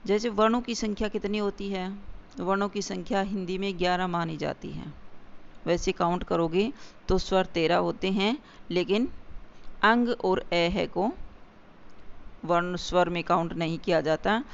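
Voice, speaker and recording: A grammar teacher explaining definitions step by step, repeating key points and slowing down for examples. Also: mid-range voice, fairly even intonation, vocal fry. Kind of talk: exam-prep grammar lesson. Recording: dull lo-fi recording with faint hiss.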